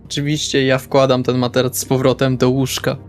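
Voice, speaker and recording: Man, role-playing gamer, casual table talk, middling pitch, faint music behind. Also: monotone, brisk. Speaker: player in a role-playing session. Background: background music.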